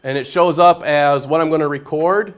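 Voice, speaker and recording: A man who teaches geometry, walking through how he records video notes, with a naturally loud voice and a plain step-by-step way of explaining. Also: on the high side, moderate pace. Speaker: high school geometry teacher. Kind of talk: classroom technology demonstration.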